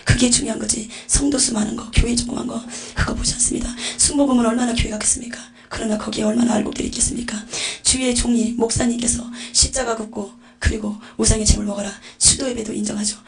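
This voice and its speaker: A woman's voice: fairly high pitch, flat delivery, fast, gravelly, few pauses, over music. A woman giving a religious testimony, telling visions in a breathless, vivid way with whispered asides. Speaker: testimony speaker.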